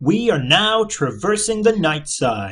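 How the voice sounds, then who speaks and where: At a fairly slow pace, a man with a high pitch speaks with very wide pitch swings. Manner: hushed.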